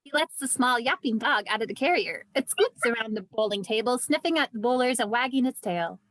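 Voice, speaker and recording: A woman's voice: fairly high pitch, expressive, fairly quick, a bit bright. A woman narrating the stage directions of a script at a table read.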